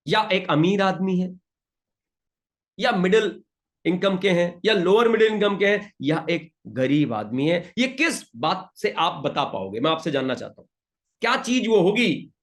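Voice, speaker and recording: A man leading an interactive motivational session. He coaxes the audience emphatically and reads out their answers with quick praise. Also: high-pitched, a bit bright. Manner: emphatic, coaxing, repeats pleas to the audience. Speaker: motivational trainer.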